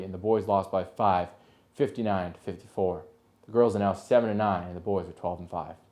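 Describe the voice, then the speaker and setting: A man's voice: fairly low pitch, warm tone. A man reading a local TV sports report, going steadily through scores and results.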